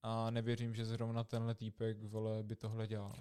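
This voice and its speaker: A young man co-hosting a podcast, chatting casually in slangy, excitable talk. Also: on the low side, smooth. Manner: slangy, excitable, imitates voices in stories. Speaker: podcast co-host. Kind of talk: casual chat.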